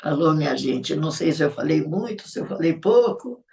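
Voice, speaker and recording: A middle-aged woman with a Brazilian Portuguese accent, hosting a live show and speaking in a heartfelt, reflective way with soft laughs. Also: low-pitched, lively intonation, fairly quick, creaky, distant mic. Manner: emotional, reflective, laughing softly between thoughts. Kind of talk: heartfelt live-stream talk.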